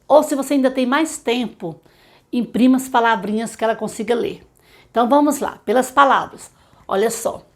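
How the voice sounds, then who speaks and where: A middle-aged Brazilian woman, a literacy teacher, giving reading tips straight to parents and slowly sounding out sample words. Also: a little high. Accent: Brazilian Portuguese. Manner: warm direct advice to mothers, slow syllable-by-syllable demonstrations. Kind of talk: tutorial talking to parents.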